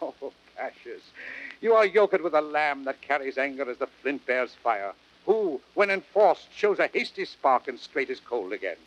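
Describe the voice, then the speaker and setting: An actor playing a proud, stern, honour-bound Roman general, declaiming measured verse in a classical Shakespearean audio drama. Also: male voice, medium pitch, very animated, lo-fi sound, lightly acted. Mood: softening, reconciled. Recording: noisy vintage drama record.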